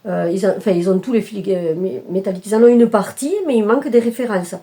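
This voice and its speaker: A woman from France chats casually about her embroidery projects. Her voice is mellow and warm, at an ordinary pitch for a woman. She hesitates often and corrects herself mid-sentence. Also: fast talker. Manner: hesitant, many fillers and self-corrections. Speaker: cross-stitch vlogger. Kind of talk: casual show-and-tell chat.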